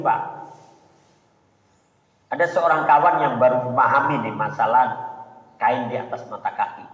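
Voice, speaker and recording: A middle-aged man, giving an informal religious lecture in a chatty way, often calling listeners "Pak" and acting out quoted dialogue. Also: fairly high pitch. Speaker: preacher. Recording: echoey hall, dull lo-fi sound.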